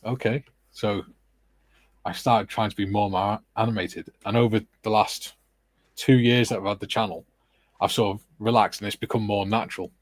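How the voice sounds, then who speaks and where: A lower-pitched man in his forties chats earnestly on a live stream. His delivery stays fairly flat in tone, and the recording is close and dry. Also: normal speed, no echo. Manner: self-described monotone, earnest. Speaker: co-host. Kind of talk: casual chat on a live stream.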